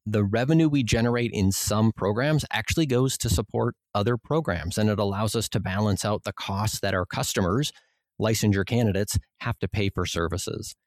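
A man's voice: lowish voice, moderate pace, a little mellow, no echo. Minnesotan man explaining in a dry room. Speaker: guest, vice president of an exam organization. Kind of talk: podcast interview answers.

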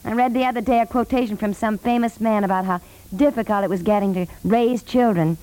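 A woman playing a patient, practical expectant wife and mother in a 1950s radio comedy, reasoning and gently correcting. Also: medium pitch, fairly quick, close to an everyday voice, poor audio. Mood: gently reassuring. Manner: reasonable, gently correcting, calls husband dear. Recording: vintage 1950s network radio recording.

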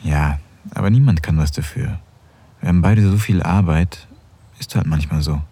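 An actor playing an affectionate married man in an intimate audio drama, speaking softly and close to a whisper. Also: a bass voice, moderate pace, slightly rough. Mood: tender. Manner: soft, intimate, often near a whisper. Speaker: husband in an erotic audio drama.

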